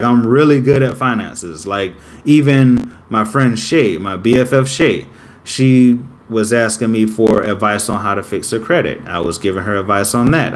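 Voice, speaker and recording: A man in his late twenties, talking casually to camera in a rambling way that often corrects itself. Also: medium pitch. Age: 20s. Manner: rambling, self-correcting, upbeat about himself. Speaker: vlogger.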